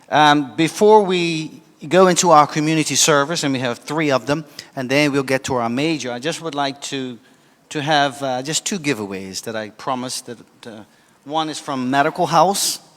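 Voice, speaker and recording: Loudness swings a lot in an ordinary speaking voice that keeps a moderate pace and ordinary pitch variation. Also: man. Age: 60s. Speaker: awards MC. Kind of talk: event hosting.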